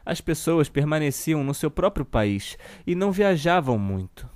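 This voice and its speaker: Guy doing a brazilian kids tv uncle reading storybook, deliberate and theatrical, dry close sound. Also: a little high, very animated, a little mellow, no echo. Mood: storytelling. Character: children's TV show host uncle reading a satirical storybook. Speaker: storyteller host of a kids' show.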